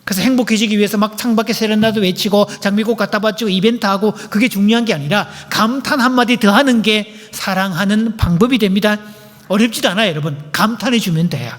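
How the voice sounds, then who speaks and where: A male pastor gives an animated couples-seminar talk, playful and full of questions to the congregation. His voice sits high for a man. Long reverb from a church sanctuary trails every phrase. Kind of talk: lively seminar lecture. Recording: echoey church hall.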